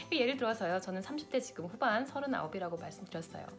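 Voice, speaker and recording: Woman, late thirties, mid pitch, advice vlog, faint background music. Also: lively intonation, fast talker. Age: 30s. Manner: warm big-sister advice, direct address to viewers. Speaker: lifestyle vlogger. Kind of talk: advice talk to camera.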